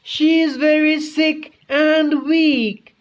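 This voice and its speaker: A worried young woman artist pleads in a raised, strained voice, speaking slowly and with care, as a man reading the story puts her on. She sounds caring and anxious throughout. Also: fairly even intonation, exaggerated voice. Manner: pleading, pitched up.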